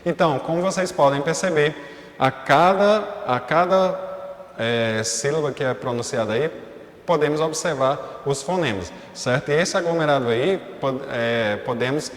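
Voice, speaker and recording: A male teacher leads a recorded online class, walking through the material step by step and frequently checking in with his students using filler phrases. His voice is fairly high and unhurried, and the room is echoey with a long reverb.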